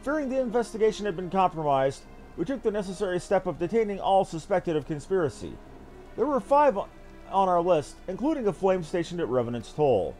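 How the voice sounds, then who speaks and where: A man's voice: high voice, very animated, fairly quick, a little mellow. A man voicing a dutiful military captain who reports in formal, archaic words. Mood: formal, reporting. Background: game music.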